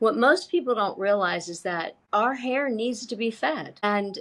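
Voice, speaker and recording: A woman's moderately paced, fairly high speech in a plain, everyday voice, its pitch varying in an ordinary way. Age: 60s. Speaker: hair care product maker. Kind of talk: interview.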